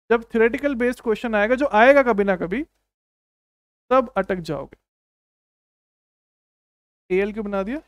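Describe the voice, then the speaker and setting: A man teaching chemistry in an energetic exam-coaching lecture, often asking the class rhetorical questions and repeating short commands. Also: very high-pitched, clean tone, dry recording. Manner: repeats short commands like "don't write, understand".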